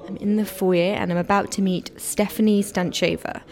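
A woman's voice: medium pitch, fairly even intonation, normal speed, gravelly, a little mellow. A woman presenter who describes her surroundings as she walks, then asks conversational interview questions.

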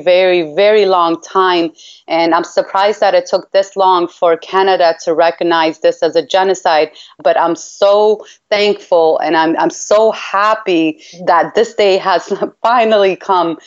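A slightly muffled, lo-fi recording of a woman with a lowish voice. She is from Iraq and speaks as a campaigner being interviewed. Her delivery is earnest and emphatic, and she repeats phrases for weight. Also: a little mellow. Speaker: human rights campaigner, interview guest. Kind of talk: heartfelt interview answers. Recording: dull, lo-fi line.

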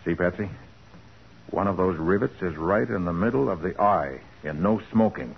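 An actor playing a confident, quick-witted private detective in a 1940s radio crime drama, brisk and decisive. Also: male voice, deep voice, gravelly. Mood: explaining. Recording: muffled noisy 1940s radio recording.

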